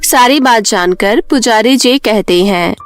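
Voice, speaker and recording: Female storyteller, high voice, scripted narration over background music. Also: a little slow.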